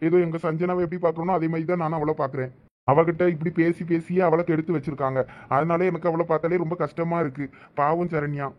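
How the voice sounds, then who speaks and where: A man voicing young male cartoon characters at a rapid clip. His voice sits a little high, and he talks earnestly and persuasively. The sound is dull and lo-fi. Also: fairly even intonation. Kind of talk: cartoon voice acting. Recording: dull lo-fi recording.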